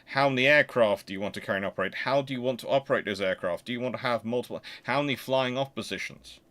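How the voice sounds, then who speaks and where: A man's voice: medium pitch, quick pace, a bit bright. A man hosting a casual question-and-answer session, chatty and digressive, often posing rhetorical questions as he explains. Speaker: host answering viewer questions. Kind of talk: casual live Q&A on naval history.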